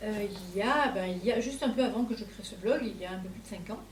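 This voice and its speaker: Speaking fairly quickly with a southern French accent, a woman has a fairly high pitch. Audible room echo and noticeable background noise fill the recording. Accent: southern French, sing-song. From southern France, near Marseille. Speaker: fashion blogger, retired dentist. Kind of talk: interview. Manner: halting, many hesitations.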